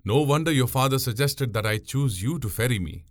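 A man's voice: medium pitch, animated, fairly quick, no echo, studio quality, natural voice. A man voicing a boastful young warrior who talks grandly and blusters.

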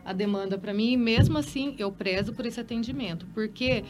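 A woman's voice: a little high, a little fast, over music. A middle-aged woman wedding planner chatting casually and earnestly about weddings. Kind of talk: casual panel chat.

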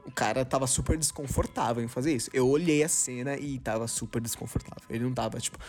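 A man in his twenties, from Brazil, hosting a podcast and telling a story in a slangy, animated way, acting out dialogue with lots of restarts. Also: mid-range voice, slightly rough. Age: 20s. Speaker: podcast host. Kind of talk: casual storytelling monologue.

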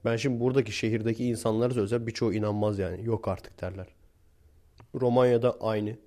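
A man's voice: on the low side, steady tone, fast talker, dark tone. A young man from Turkey talking blunt and slangy to his viewers, chuckling between points as he tells stories. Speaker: vlogger. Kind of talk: casual storytelling monologue to viewers.

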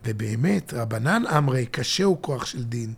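A middle-aged man co-hosting a podcast as a father, teaching religious texts in an expressive way that swings from emphatic to hushed and intimate. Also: mid-range voice, creaky, breathy edge.

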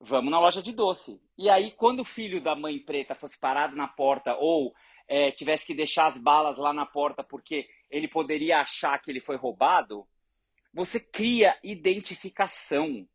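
Education leader, husky, dry close sound, makes the case through anecdotes. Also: mid-range voice, normal speed, dry recording. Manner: earnest, animated, argues through examples. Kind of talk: conversational storytelling.

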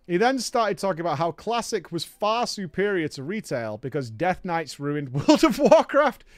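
A man's voice: high-pitched, no room sound, studio quality. A man telling a comic story in a wry, exasperated way. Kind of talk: comedic storytelling narration.

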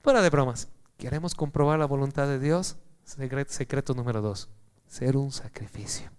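A man preaching a sermon to a congregation, animated and joking, swinging from loud calls to hushed lines. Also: medium pitch, moderate pace, clear, resonant tone.

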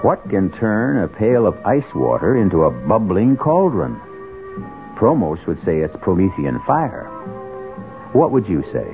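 An actor as the ominous storytelling host of a mystery radio drama, speaking in a portentous, theatrical way. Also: male voice, fairly low pitch, sing-song, unhurried, narrow, tinny audio. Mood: ominous suspense. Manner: portentous, theatrical, rhetorical questions. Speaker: host and narrator. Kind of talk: suspenseful scripted radio drama narration. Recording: band-limited 1970s radio, music behind.

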